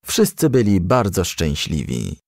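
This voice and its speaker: Slow, deep-voiced male storybook narrator. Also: creaky, dry recording, studio quality. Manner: expressive, measured storytelling. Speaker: audiobook reader. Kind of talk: scripted storybook narration for children.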